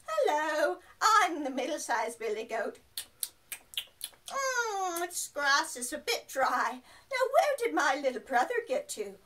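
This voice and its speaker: A woman's voice: sits high, big pitch swings, takes it slowly, bright, forceful tone, distant mic, exaggerated voice. A woman voicing a mild, hesitant middle brother billy goat in a puppet show, in a simple agreeable manner. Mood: musing.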